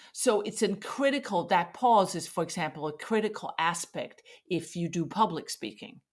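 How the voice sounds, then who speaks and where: A woman's medium-pitched voice with a non-native accent, lively intonation and a moderate pace, on a very clean recording with a silent background. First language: not English. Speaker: executive coach, former investment banker. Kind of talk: interview conversation.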